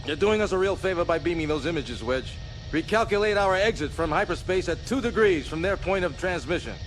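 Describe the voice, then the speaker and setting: An actor playing a confident, decisive starship commander with a military manner in a science fiction audio drama. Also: male voice, high-pitched, animated, brisk, slight background noise. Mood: assured. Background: orchestral score.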